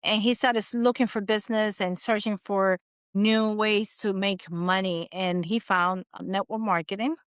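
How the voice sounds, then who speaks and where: A woman in her forties from the Dominican Republic, talking as a guest in a relaxed interview. She tells her story with animation and acts out what she once thought. Her voice is smooth and resonant, and the sound is dry and close. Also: mid-range voice, normal speed, dry recording. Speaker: guest, agency owner. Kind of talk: casual interview.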